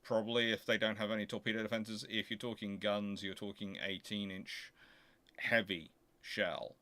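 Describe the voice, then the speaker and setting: Bright-voiced man fielding history questions. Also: fairly low pitch, flat delivery. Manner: halting, self-correcting, explanatory. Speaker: host of a naval history Q&A show. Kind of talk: informal question-and-answer commentary, reading questions aloud.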